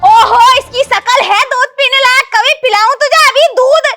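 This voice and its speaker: A woman's voice: very high-pitched, normal speed, full character voice. A woman playing a bossy, scolding old village mother-in-law, nagging and threatening in a rustic comedy skit. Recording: loud background music.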